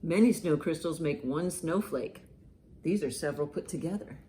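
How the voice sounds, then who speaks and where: A woman hosting a children's storytime, reading and explaining in simple, expressive language meant for young listeners. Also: low-pitched, moderate pace, a little hiss or hum. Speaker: children's librarian, storytime host. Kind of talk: children's storytime, reading a picture book aloud and commenting.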